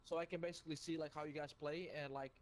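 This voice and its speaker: A man coaching players over a voice call, rattling along quickly in a slightly higher voice. He is friendly and loose, full of fillers and restarts. Faint noise hums behind him. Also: level tone. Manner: friendly, fast, lots of fillers.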